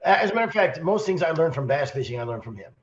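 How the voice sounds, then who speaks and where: A man co-hosting a casual podcast, hoarse from a cold, telling a rambling, animated story with many restarts. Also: a little high, rapid-fire, muffled recording. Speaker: podcast co-host, sales manager.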